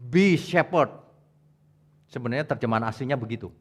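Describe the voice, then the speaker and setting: A male pastor preaching a sermon, emphatic, jumping between loud rebukes and quiet asides as he speaks straight to his congregation. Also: medium pitch, lively intonation, moderate pace, slightly rough. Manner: colloquial, addresses congregation directly.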